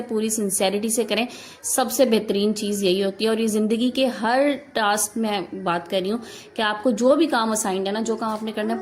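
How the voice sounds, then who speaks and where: A Pakistani woman in her thirties talks straight to her viewers in a home vlog, with a Pakistani Urdu accent. Her voice sits at an ordinary middle pitch for a woman. She gives earnest, instructive advice and keeps checking in with the listener as she goes. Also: darkish tone. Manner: earnest, instructive, addresses viewers directly with frequent rhetorical "na". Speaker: housewife vlogger. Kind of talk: advice talk to camera.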